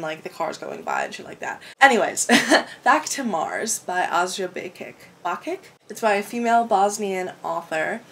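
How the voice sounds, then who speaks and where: A woman's voice: mid-range voice, a bit bright. A woman with a clogged-up throat, chatting casually at home about books she read, rambling, laughing and swearing freely. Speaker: book vlogger. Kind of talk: casual book review chat. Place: home room with window open.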